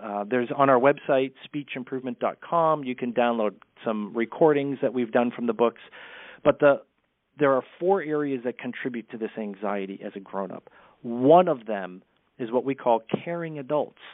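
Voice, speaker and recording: A man speaking as a speech coach, brisk and candid in his advice. His voice comes through a thin, tinny line that sounds phone-like. The sound is dry and close, with no room around it. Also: medium pitch, dry recording. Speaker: communication coach. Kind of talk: podcast interview.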